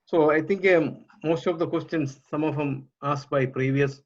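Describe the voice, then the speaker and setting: A man in the audience of a live online Q&A speaking briefly and somewhat haltingly. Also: on the high side, highs cut off. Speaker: audience member. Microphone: video call.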